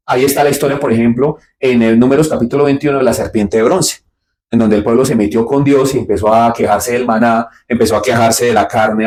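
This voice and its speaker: A man preaching a Bible study sermon. He asks rhetorical questions and answers them himself, dropping low for asides and rising sharply on his points. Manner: swings between low, quiet asides and sharp, raised points. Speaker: pastor.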